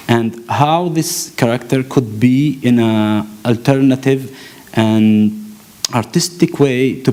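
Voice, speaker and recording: A man from Palestine, giving an earnest conference talk, often pausing and restarting as he searches for words. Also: medium pitch, a little mellow. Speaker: actor and panel speaker. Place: conference hall stage.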